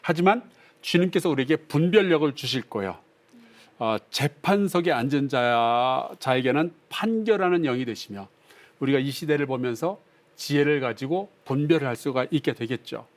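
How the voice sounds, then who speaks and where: A male pastor teaching a Bible class on broadcast, reading scripture aloud and explaining it in a lively, conversational way. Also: medium pitch, moderate pace. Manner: reads scripture aloud, acts out drunk voices playfully.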